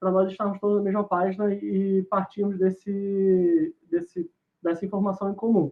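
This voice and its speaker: Here a man speaks at a high pitch. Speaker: software developer and conference speaker. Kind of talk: conference talk. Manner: fast.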